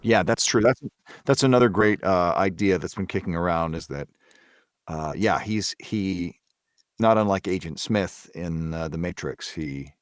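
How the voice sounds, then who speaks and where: A man speaking as a voice actor in a casual interview, thoughtful and halting, often repeating words as he searches for phrasing. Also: deep voice, no room sound, clean studio sound. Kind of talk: casual cast discussion.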